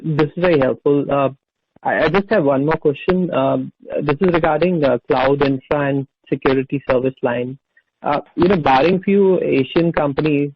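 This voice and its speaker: A man's voice: medium pitch, husky. A man asking questions as an analyst on an earnings call. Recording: dull lo-fi conference phone line.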